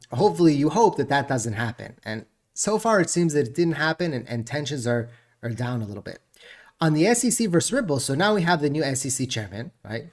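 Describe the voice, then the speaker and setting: Chatty stuffed-up man, slightly high voice. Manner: chatty, rambling, jokey with frequent laughs. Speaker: crypto video host. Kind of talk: casual market commentary.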